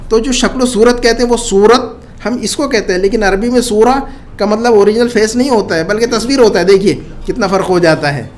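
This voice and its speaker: Guy teaching an arabic class, kinda high voice, says each word over slowly. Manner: repeats phrases slowly and stresses pronunciation. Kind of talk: teaching a class, drilling words.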